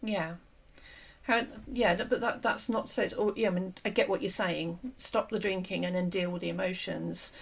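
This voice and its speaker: A woman hosting an interview and talking through an idea in an earnest, explanatory way, her voice fading and a little hoarse. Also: lowish voice, fairly even intonation, moderate pace. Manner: earnest, explanatory, with frequent fillers and restarts. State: losing her voice. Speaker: host. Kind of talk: conversational discussion.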